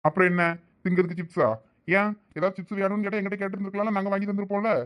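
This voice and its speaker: A man with a Thoothukudi Tamil accent acting in a village comedy sketch, with fast, pleading, joking banter. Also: sits high, little pitch movement, a bit bright, clean tone. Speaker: comedy skit actor.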